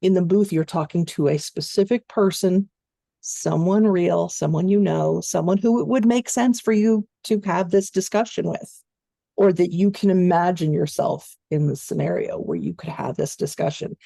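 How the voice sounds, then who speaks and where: A woman coaching voice-over students in an online training session, explaining in a steady conversational way. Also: lowish voice, moderate pace, gravelly, dry recording, clean studio sound.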